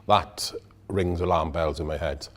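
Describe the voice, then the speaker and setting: Man, welsh accent, very deep voice, steady serious delivery. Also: measured pace. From Wales. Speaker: interviewee. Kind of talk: documentary interview.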